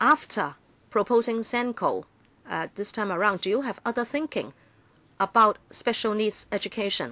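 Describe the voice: Her tone bright and sharp, a woman speaks at a medium pitch and moderate pace with lively intonation.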